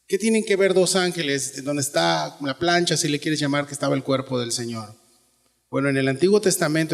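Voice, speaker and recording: A man with a Mexican Spanish accent preaching a sermon in a church, earnest and conversational, often asking the listeners questions. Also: fairly high pitch. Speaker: pastor. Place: church sanctuary. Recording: long hall reverb.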